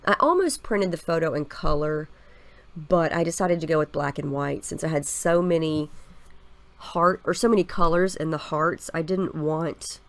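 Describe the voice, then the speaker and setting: A woman in her thirties with a stuffy, scratchy voice from a head cold, chatting casually as she narrates a scrapbooking process. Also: fairly low pitch. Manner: chatty, relaxed, explains each step with fillers. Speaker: scrapbooking video host.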